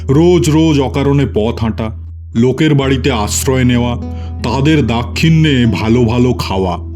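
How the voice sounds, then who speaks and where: A man's voice: mid-range voice, moderate pace, warm tone, faint music behind. A man narrating a scripted story in a dramatic storytelling style.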